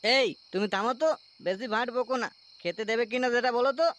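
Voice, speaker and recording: Woman playing a high-voiced grumbling pot-bellied husband. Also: fast, a bit bright, natural voice. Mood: grumbling, irritated. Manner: blunt, bickering, slangy. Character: grumbling pot-bellied boozy husband, middle-aged, teasing. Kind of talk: comic cartoon dialogue.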